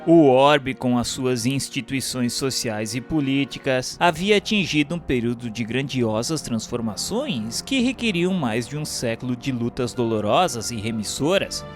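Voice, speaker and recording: A man's voice: mid-range voice, animated, moderate pace, hardly any pauses. A man with a Brazilian accent reading a scripted narration in a solemn, formal, declamatory way. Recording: music bed under the voice. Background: instrumental music.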